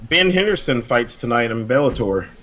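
A man's voice: mid-range voice, big pitch swings, moderate pace, a bit bright, slight background noise. A man talking as a podcast guest in a laid-back, blunt, joking way. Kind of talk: casual chat.

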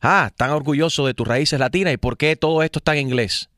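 A man hosting a morning radio show, lively, switching between Spanish and English. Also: a little high, fairly quick, dry recording, studio quality. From United States. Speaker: radio host. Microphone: studio mic.

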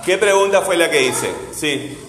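A man's voice: fairly high pitch, lively intonation, unhurried, a bit bright. A male teacher who teaches a class and keeps repeating his questions to prompt his students. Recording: echoey hall, faint background noise.

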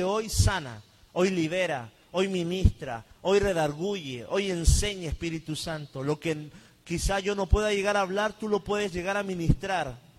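A pastor preaching fervently to his congregation and livestream, reading scripture and praying, his voice swinging between highs and lows. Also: long reverb tail. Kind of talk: livestreamed sermon with Bible reading and prayer.

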